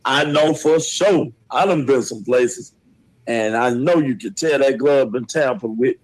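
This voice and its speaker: A man calling in to a show, telling stories casually in animated, colloquial and boastful slang. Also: mid-range voice, unhurried, rough recording. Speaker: caller to the show, a ring announcer. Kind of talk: casual chat and storytelling. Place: on a call to a show.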